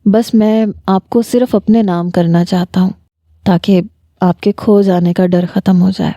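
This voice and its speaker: A woman voicing a smitten young male doctor who speaks softly and earnestly, read out in a story. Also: medium pitch, fairly even intonation, no room sound, lo-fi sound, natural voice. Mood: pleading. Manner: soft, coaxing and earnest. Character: young man, a smitten doctor, gentle and persistent. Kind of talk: story narration.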